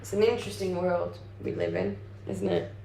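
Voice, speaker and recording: Her voice sits lowish but very animated, mellow with vocal fry, moving at normal speed over soft background music. She's a young Danish livestream host, a native speaker, casually reading and replying to viewer comments. Echo fills the room, and there's faint background noise.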